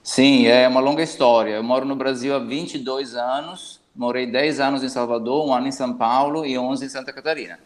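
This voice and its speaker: A man's voice: mid-range voice, steady tone, brisk, few pauses. A man from Italy, a musician and professor, speaking reflectively on a live call. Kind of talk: casual interview talk.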